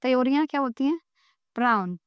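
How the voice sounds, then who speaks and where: High, clear-voiced woman teaching English. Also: animated, dry recording, lo-fi sound. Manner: asks the class questions, then answers them slowly. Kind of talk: classroom-style grammar lesson.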